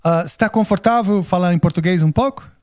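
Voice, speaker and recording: A man's voice: sits high, fast talker, a little mellow, no room sound, studio quality. A man hosting an interview, chatty and encouraging, drifting into reflective remarks. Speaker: podcast host. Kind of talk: casual interview.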